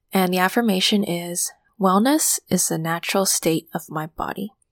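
A woman with a plain, everyday voice, medium pitch and ordinary pitch variation, at a moderate pace in a very clean recording with a silent background. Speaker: meditation podcast host. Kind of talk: guided meditation. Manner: soft, calm, soothing.

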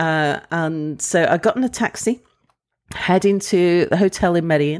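A dry, close sound with no echo, a British accent, ordinary pitch variation, and a very clean recording over a silent background. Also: woman. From Britain. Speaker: Twitch streamer. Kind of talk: interview.

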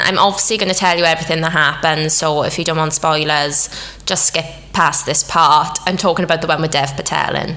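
Over noticeable background noise, a woman with a British accent speaks at a fairly low pitch. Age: 30s. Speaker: podcast host. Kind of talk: casual solo podcast monologue. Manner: animated.

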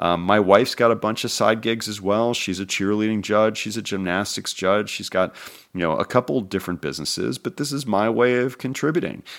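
A man with an American accent, fairly low in pitch with ordinary pitch variation and hardly any pauses, on a very clean recording against a silent background. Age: 40s. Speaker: podcast host and grassroots football referee. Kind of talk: solo podcast monologue. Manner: hesitant, many fillers and repeats.

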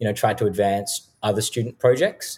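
With an Australian accent, a man speaks in a fairly low, dark, mellow voice with monotone, flat intonation. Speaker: university student, social enterprise team member. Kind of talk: interview. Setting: video call.

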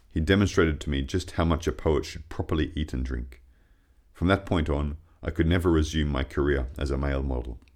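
With a very deep, low pitch and vocal fry, a man talks at a fairly quick pace with ordinary pitch variation on a very clean recording with a silent background. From Australia. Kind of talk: reading aloud. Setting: home study.

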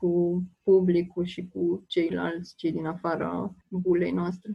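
The intonation here is monotone and flat. It comes from a woman at a medium pitch. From Romania, Craiova (Oltenia). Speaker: playwright. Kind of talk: interview.

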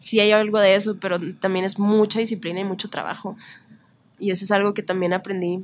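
A woman's medium-pitched, monotone delivery at a fairly quick pace, with flat intonation. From Tijuana, Mexico. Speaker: singer-songwriter. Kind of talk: casual chat.

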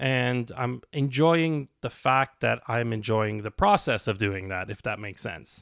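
In a very clean, dry, close recording with no echo and a silent background, a man with an ordinary speaking voice and medium pitch talks at a fairly slow pace with hardly any pauses and ordinary pitch variation. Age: 50s. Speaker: podcast host, former chef. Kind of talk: motivational solo podcast monologue. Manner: conversational, with frequent self-corrections.

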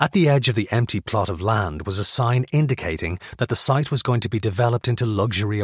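A natural reading voice shows ordinary pitch variation.

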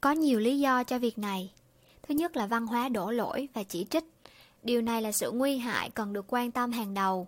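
A woman speaks at a fairly slow pace in a high voice with ordinary pitch variation, on a very clean recording with a silent background. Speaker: Agile/Scrum coach presenting an educational video. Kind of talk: scripted narration.

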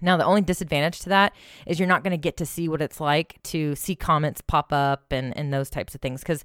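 In a very clean recording with a silent background and a dry, close sound with no echo, a woman with a very deep, low pitch speaks at a very fast pace in an animated tone with ordinary pitch variation. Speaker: podcast host and marketing coach. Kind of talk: solo tutorial podcast.

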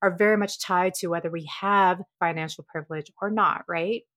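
A woman with a Canadian accent speaks in a plain, everyday voice at medium pitch and a moderate pace, with ordinary pitch variation. The recording is very clean with a silent background, and the sound is dry and close with no echo. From Canada, Toronto. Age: 40s. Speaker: podcast host, therapist in training. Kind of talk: solo podcast monologue.

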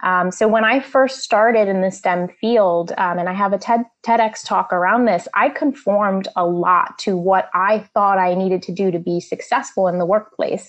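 A woman's plain, everyday voice with an American accent, medium pitch, ordinary pitch variation and a moderate pace. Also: hardly any pauses. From Brooklyn, New York. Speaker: career coach. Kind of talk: coaching conversation. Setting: at home.

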